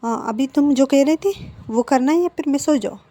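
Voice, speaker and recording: A woman's voice: high-pitched, a little fast, dark tone, pitched above the performer's own voice, lightly acted. A woman reading as a sulky, clingy young man. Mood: pleading. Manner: whiny, reproachful.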